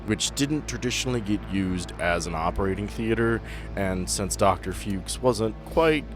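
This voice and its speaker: A man's voice: lowish voice, animated, normal speed. A man running a tabletop horror game, narrating suspenseful, descriptive scenes off the cuff and dropping into casual rules talk. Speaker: game master of a tabletop RPG podcast. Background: music under the voice.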